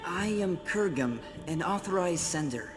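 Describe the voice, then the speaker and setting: A timid, earnest young messenger in a radio drama. He is courteous and hesitant, almost pleading in his deference, with loud music under the voice. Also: high voice, expressive, unhurried. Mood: deferential.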